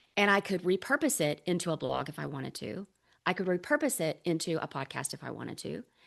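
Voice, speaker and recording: A woman with a Southern US accent, her fairly low voice showing vocal fry, very wide pitch swings and big swings in loudness, at a very fast pace over a quiet background. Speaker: visibility and list growth strategist. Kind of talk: webinar talk. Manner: animated.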